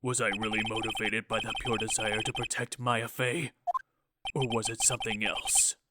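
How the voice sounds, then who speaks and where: A man playing a bitter, remorseful former defense attorney in a game fan dub, gravelly and brooding, delivering theatrical confessions. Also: on the low side, level tone, moderate pace, very noisy, close to an everyday voice. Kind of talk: dramatic visual-novel game fan dub. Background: loud music.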